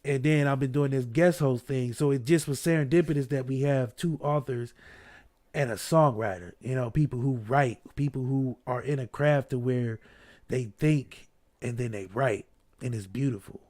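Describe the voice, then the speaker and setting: A man's voice: medium pitch, normal speed, a little mellow. A man from Ohio hosting a casual podcast chat, laid-back and slangy, a little stuffy. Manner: laid-back, slangy, repeats "you know what I mean". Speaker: podcast host.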